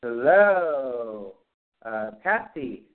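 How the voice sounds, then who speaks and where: A man leading a spiritual class on a conference call, calling the roll and guiding a prayer in an unhurried, plain-spoken way. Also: medium pitch, big pitch swings. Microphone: phone call. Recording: tinny phone line.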